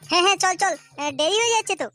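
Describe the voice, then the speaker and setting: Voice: extremely high pitch, very fast, over loud music. A performer voicing a young boy, an eager but uneasy prankster's sidekick in a Bengali comedy cartoon.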